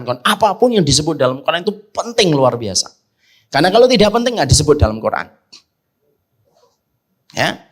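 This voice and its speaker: Lively, expressive male preacher. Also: a little high. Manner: animated, rhetorical questions, swings between loud emphasis and soft asides. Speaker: Islamic preacher. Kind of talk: sermon.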